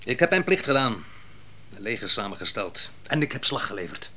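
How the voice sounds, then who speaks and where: A man's voice: lowish voice, sing-song, a little fast, bright, forceful tone, slight background noise. A man playing a proud, boastful and easily slighted army commander in a radio play, with declamatory, self-important delivery. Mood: dutiful, boastful. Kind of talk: Dutch radio play acting.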